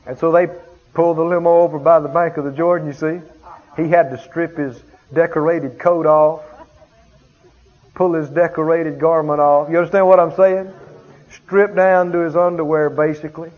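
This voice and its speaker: A male pastor preaches with emphatic repetition. His voice is high and husky. The recording sounds dull and lo-fi. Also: flat delivery, normal speed. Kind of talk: sermon.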